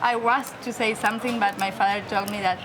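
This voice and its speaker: A young woman with a Spanish accent, insisting in halting non-native English. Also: medium pitch, steady tone. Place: busy airport terminal. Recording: clear crowd and background noise.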